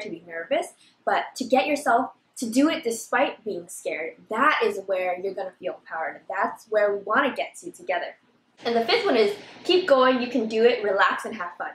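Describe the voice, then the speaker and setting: A young woman with a slightly high voice chats through an eating vlog, bubbly and talkative, peppering her sentences with "like". She is recorded on a camera mic in a room at home with a noticeable echo. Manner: bubbly, chatty, says "like" often. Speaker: vlogger. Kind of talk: casual eating vlog chat. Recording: echoey room.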